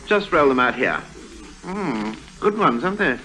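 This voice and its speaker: A man playing an obliging, deferential ship's jeweler in a vintage radio drama, polite and measured in manner. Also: medium pitch, sing-song, sharp tone, slight background noise, rough recording. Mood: obliging, appraising. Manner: polite, measured, hesitant appraiser. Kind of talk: 1950s radio drama acting.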